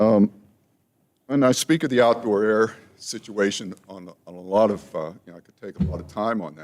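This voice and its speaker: A man with a fairly low pitch, ordinary pitch variation and an unremarkable speaking voice, at a moderate pace with big swings in loudness. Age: 60s. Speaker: public commenter at school board meeting. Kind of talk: public comment. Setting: school board meeting room.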